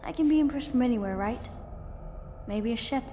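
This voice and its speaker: An actress voicing a chatty, curious young girl who talks eagerly and quickly. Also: a little high, warm tone, big-room sound, slight background noise, lightly acted.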